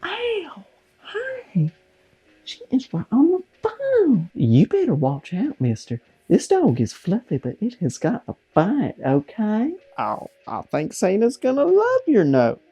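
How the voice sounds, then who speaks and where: A man's voice: sits high, huge pitch swings, slow, dark tone, slightly rough, dull audio, soft background music, heavily acted. A man voicing a cooing, gushing, faintly lusty grandparent in a Christmas comedy sketch. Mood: cooing, suggestive.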